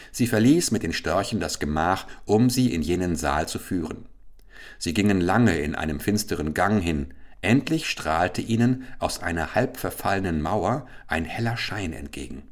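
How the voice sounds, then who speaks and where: A man narrating a fairy tale for an audiobook in a calm, measured storytelling tone. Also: low voice.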